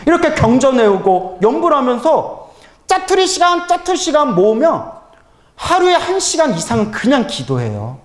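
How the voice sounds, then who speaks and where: Male monk lecturer, animated storyteller who acts out both sides of a talk, recorded in an echoey temple hall. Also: very high-pitched, moderate pace. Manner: lively storytelling, acts out dialogue, laughs often. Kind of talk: humorous dharma lecture. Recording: roomy hall.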